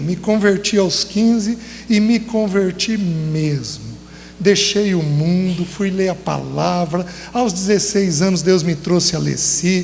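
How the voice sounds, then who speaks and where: The man has a high pitch. Noticeable background noise and audible room echo come through. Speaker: preacher. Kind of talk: sermon. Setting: women's retreat, audience.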